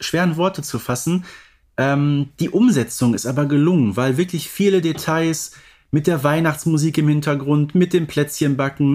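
A man's voice: on the high side, a little mellow. A man co-hosting a podcast, talking casually and conversationally. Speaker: podcast co-host. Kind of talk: casual podcast chat about audio dramas.

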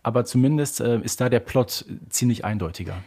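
A man's voice: mid-range voice, brisk, mellow, breathy edge. A man co-hosting a podcast, talking in a casual, conversational way. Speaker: podcast co-host. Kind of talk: casual conversational discussion of audio dramas.

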